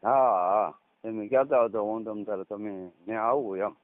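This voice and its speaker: A man's voice: lowish voice, fairly even intonation, moderate pace, dry recording. Saurashtra Gujarati man on a tinny phone. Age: 30s. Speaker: caller, farmer. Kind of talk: casual phone conversation. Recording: tinny, narrowband phone call recording.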